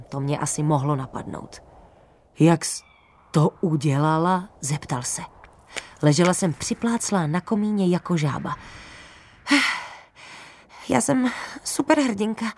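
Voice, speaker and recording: A woman narrating a first-person children's story in a lively, confiding way, speaking straight to the listeners. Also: on the low side.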